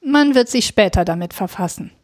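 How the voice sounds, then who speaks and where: A woman's voice: mid-range voice, lively intonation, a little fast, a little mellow, dry recording, clean studio sound, natural voice. A woman voicing an urgent, commanding male scholar in a read-aloud story. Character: hurried middle-aged male scholar.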